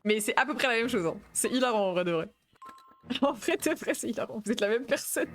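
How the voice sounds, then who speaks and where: A woman's voice: fairly high pitch, fast talker, a bit bright, soft background music. A young woman streamer chatting casually and laughing with panicky yelps while she plays a game. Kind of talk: casual gaming stream commentary.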